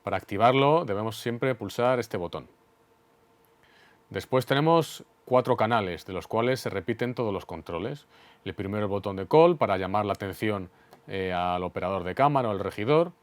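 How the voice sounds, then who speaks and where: A man with a Spain Spanish accent giving an instructional equipment demonstration in a clear, methodical, didactic way. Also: on the low side, animated, normal speed, dry recording. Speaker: instructor explaining studio equipment.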